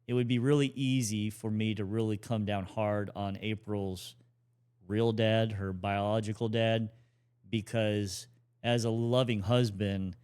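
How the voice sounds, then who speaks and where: A man in his forties co-hosting a family podcast, talking in a relaxed, rambling way with restarts. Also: on the low side, clean tone. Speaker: podcast co-host. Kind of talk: casual conversational talk.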